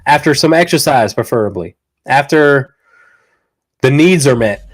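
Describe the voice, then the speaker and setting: A man's voice: mid-range voice, expressive, measured pace. A man hosting a live dog training Q&A, talking bluntly and directly in slangy speech, stuffy from a cold. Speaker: dog trainer and show host. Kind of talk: live Q&A stream.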